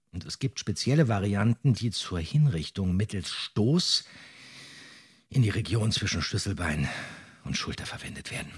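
Lower-pitched middle-aged man, husky, animated intonation, playful casual podcast talk. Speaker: podcast co-host. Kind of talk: casual chat.

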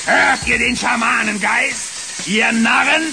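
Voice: fairly even intonation, gravelly. An actor playing a menacing, grandiose shaman devil spirit who proclaims in archaic language in an audio drama. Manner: slow, booming, archaic proclaiming. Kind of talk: German audio drama acting.

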